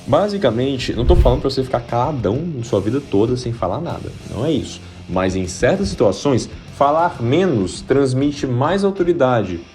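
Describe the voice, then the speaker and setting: A man's voice: medium pitch, sing-song, moderate pace, few pauses, mellow, faint music behind. Man coaching viewers in a direct tone. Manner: direct, explanatory, addresses viewer. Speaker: self-improvement coach. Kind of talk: instructional video talk.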